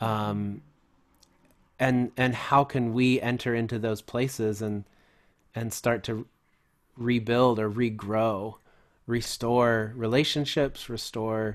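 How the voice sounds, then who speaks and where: In a very clean recording with a silent background, a man with an American accent speaks at a very slow pace in a monotone, flat delivery broken by long, frequent pauses. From US, Pittsburgh suburbs. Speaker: pastor and urban farm director. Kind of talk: interview conversation.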